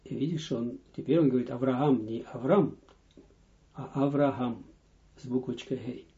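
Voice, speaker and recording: A rabbi gives a slow spoken Torah lesson, though his warm, medium-pitched voice runs a little fast with fairly even intonation. He reads short lines of a text aloud, then explains them step by step, in a dull lo-fi audio recording.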